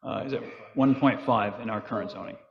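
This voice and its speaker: A man's voice: fairly low pitch, brisk, creaky. A man chairing a town planning board meeting, walking through motions and votes in a plain, procedural way. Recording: dull audio in a reverberant meeting hall.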